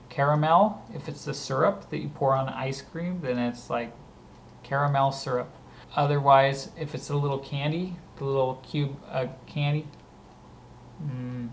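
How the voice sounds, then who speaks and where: A man with a Southern California accent and a scratchy voice. He reads a list of words aloud and casually explains how he uses each one. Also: medium pitch. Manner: reads each word, then explains usage conversationally.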